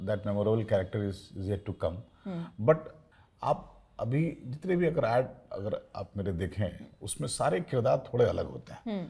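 Somewhat breathy and dark and mellow in tone, a man speaks at a fairly slow pace with long, frequent pauses and very wide pitch swings. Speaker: actor. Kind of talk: podcast interview answer. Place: studio. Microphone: lapel.

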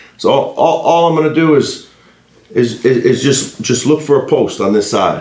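Audible room echo around a man's voice with ordinary pitch variation. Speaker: wrestling coach. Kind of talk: tutorial. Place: gym.

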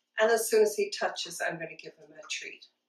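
A woman speaking at a moderate pace amid audible room echo. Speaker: dog trainer. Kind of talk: tutorial. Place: home room. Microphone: camera far.

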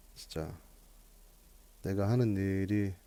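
A man speaks with a very deep, low pitch and a relaxed tone. His pace is very slow. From South Korea. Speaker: voice actor. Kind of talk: casual talk to camera. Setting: earphone microphone. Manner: relaxed, chatty.

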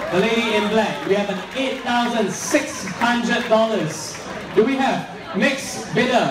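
Over noticeable background noise and audible room echo, a man speaks with a high pitch and ordinary pitch variation. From Singapore. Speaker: event emcee and auctioneer. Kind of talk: rapid-fire charity auction calling, repeating bid amounts to drive bidding. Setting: live charity event with audience in a hall. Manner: fast-paced, insistent repetition of prices and 'last call'; upbeat, cajoling crowd-work with quick thank-yous. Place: hall. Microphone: pa.

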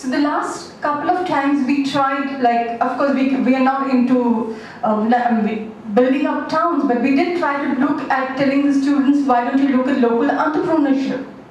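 In strong room echo, a woman speaks at a high pitch with very even loudness, fairly even intonation and a moderate pace. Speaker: audience member who counsels students. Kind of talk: audience question. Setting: audience at a lecture. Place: hall.

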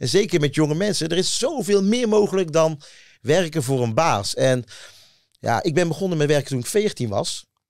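A man with a fairly high pitch speaks at a moderate pace, with very wide pitch swings and big swings in loudness. The sound is dry with no echo against a quiet background. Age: 40s. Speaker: TV chef and e-commerce entrepreneur; podcast guest. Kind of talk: casual interview. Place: studio. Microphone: studio mic.

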